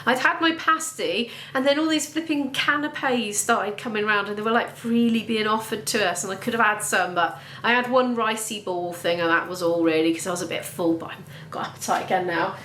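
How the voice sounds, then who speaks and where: A woman's voice: mid-range voice, a little fast, few pauses, a bit bright, roomy sound, a little hiss or hum. A British woman vlogging casually to a handheld camera, chatty and rambling with cheerful asides. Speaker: vlogger and musician. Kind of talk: casual vlog chat. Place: venue cafe, then at home.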